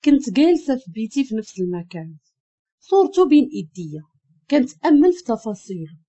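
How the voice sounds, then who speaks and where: A woman's voice: fairly high pitch, very animated, quick pace, dark tone, husky, dull audio. A woman with a Moroccan Arabic accent, narrating a first-person love story and reading the dialogue in her own voice.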